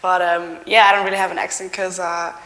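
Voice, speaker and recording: A young woman whose first language is German, chatting enthusiastically about her own experiences with quick asides. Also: fairly low pitch, flat delivery, vocal fry, bright, forceful tone. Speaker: interviewee. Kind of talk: casual personal account. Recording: long hall reverb.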